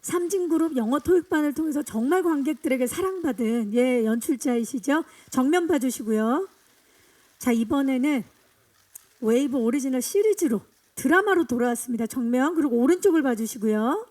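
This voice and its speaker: A woman emcees a press event, cheerfully directing photo poses and introducing guests. Her voice sits high with a dark tone, animated and at a moderate pace.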